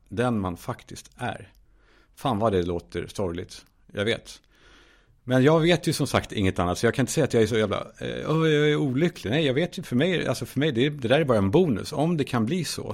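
Gravelly low-voiced man musing. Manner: candid, musing, swears casually, many fillers and restarts. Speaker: podcast host. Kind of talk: solo reflective monologue.

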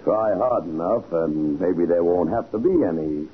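A low-voiced crime boss from a 1940s radio drama, threatening people with smooth false politeness and underworld slang. The old recording is narrow and hissy. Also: male voice, measured pace. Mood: mocking, threatening. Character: menacing, smoothly polite male gambling-house racketeer.

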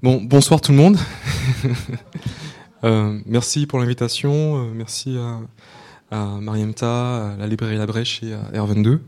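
A young man from Martinique speaks at a public book talk about his research. His delivery is halting, full of fillers and repeated words as he searches for terms. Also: medium pitch, fairly even intonation, darkish tone. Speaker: author and researcher.

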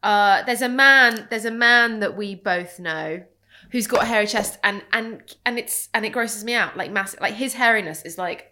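A woman's voice: medium pitch, moderate pace, pushed and bright. A middle-aged woman co-hosting a podcast, chatty and rambling, a bit stuffed up with a cold. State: bunged up with a cold. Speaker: podcast co-host. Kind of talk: casual kitchen chat.

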